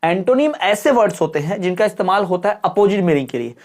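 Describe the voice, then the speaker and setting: A male teacher giving a lecture that mixes Hindi and English. He keeps asking questions and answering them himself, calls his listeners "bhai", and reads English definitions out slowly. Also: high-pitched, expressive. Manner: asks and answers his own questions, repeating checks like "theek hai?".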